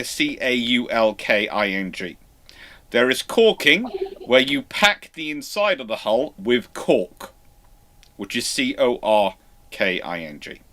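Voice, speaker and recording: A man hosting an informal live question-and-answer stream, explaining in a rambling, halting way with repeated false starts. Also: medium pitch, sharp tone. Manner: over-careful emphasis on some words. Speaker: host of live naval history Q&A stream.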